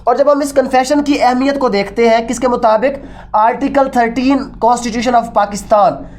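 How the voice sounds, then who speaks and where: Female lecturer, Pakistani accent, higher-pitched voice; teaches by question and answer, repeating key phrases for emphasis. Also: darkish tone. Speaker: law lecturer. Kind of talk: explanatory law lecture, code-switching with English.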